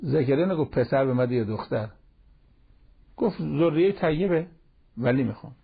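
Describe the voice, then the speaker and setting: This is a husky, gravelly-voiced man at medium pitch, preaching Quran commentary casually with lively intonation and occasional Arabic verse recitations. He's a cleric, and the sound sits dull and lo-fi, much like vintage radio.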